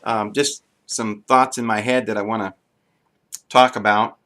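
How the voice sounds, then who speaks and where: A man's voice: lowish voice, flat delivery, measured pace, sharp tone. A man giving an unscripted, earnest monologue to camera, with frequent ums and restarts. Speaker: video blogger.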